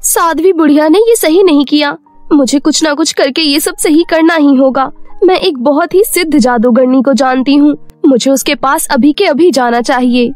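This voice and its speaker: Lady doing a stuck-up young cartoon princess, really high voice, bratty and vain, music behind. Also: moderate pace, darkish tone, no room sound, close to an everyday voice. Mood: determined. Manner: haughty, self-admiring, demanding. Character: vain, arrogant, hot-tempered young princess. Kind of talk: cartoon moral-story character voice.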